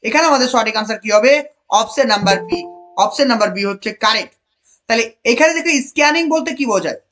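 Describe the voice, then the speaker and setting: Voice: medium pitch, expressive, fairly bright tone, faint music behind. A teacher running an online exam-prep lesson, asking the class questions, repeating key answers and praising students by name. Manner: reads English options slowly.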